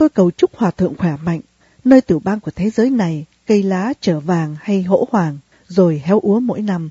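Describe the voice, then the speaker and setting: Her intonation is lively and her voice somewhat breathy. This woman speaks fairly slowly at medium pitch. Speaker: radio announcer. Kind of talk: scripted narration. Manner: formal.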